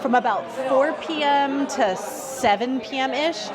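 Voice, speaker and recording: A woman's voice: sits high, slow. A woman giving casual travel tips in a chatty, explanatory way, filming on city streets and in a car. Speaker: travel vlogger. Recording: outdoor street noise and crowd.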